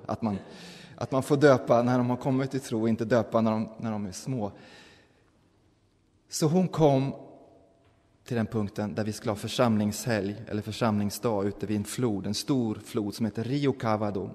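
A man, a pastor, telling a story in a sermon in a relaxed, conversational way, often restarting his sentences. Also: medium pitch. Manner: conversational, with restarts and quoted voices. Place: church. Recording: church hall with long reverb.

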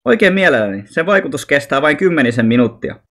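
A man voicing a cheerful, calm and fearless alien boy in an audiobook reading. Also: a little high. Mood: serene.

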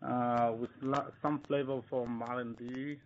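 A male company executive answering analysts on an earnings call, halting, with non-native phrasing. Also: medium pitch, flat delivery. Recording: muffled, noisy conference call line with clicks.

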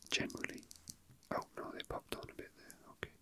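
Male ASMR host: breathy whisper, very crisp sibilant brightness, casual, hesitant musing. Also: fairly quick. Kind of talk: whispered ASMR, casual rambling while handling a figurine.

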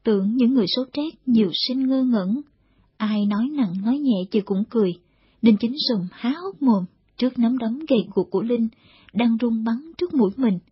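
A woman narrating a war novel in a steady, measured storytelling read, in a dull lo-fi audiobook recording. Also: a little high, husky, dry recording.

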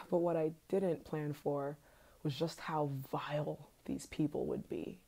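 Low, sweet, eerily obsessive yandere woman acted out. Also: mellow, heavily acted. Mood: sweetly possessive. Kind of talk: ASMR role-play, addressed to the listener.

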